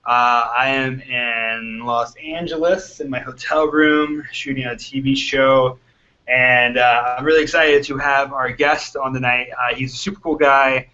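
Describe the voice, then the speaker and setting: A man hosting a casual video chat from a hotel room, chatty and quick to laugh. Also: mid-range voice, steady tone, sharp tone. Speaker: host. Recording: lo-fi web call audio.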